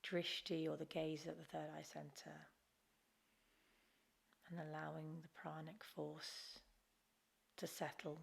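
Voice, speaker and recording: Female yoga instructor, gentle and encouraging, very unhurried delivery, gravelly fry in the voice. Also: sits low, little pitch movement. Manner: gentle, encouraging, unforced guidance. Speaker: yoga teacher. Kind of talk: guided Kundalini yoga class instruction.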